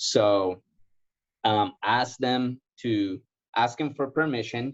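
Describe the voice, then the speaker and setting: With a Spanish accent, a man speaks at a very slow pace. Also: medium pitch for a man, ordinary pitch variation. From Ecuador. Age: 30s. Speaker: insurance sales agent. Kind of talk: Q&A training talk. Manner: halting, many repetitions.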